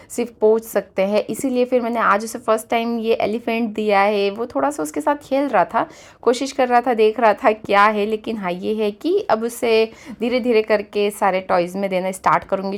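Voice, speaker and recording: A woman, a mother and vlogger, explaining her baby's daily routine in a calm, matter-of-fact voice-over. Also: medium pitch. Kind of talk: vlog voice-over narration.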